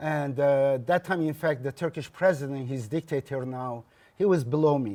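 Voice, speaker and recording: A man with a fairly high pitch speaks at a moderate pace in a dark, mellow tone. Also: ordinary pitch variation. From Turkey, eastern town, raised in Istanbul. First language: Kurdish. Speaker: philosophy professor. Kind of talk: public talk. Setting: library event with audience. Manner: halting.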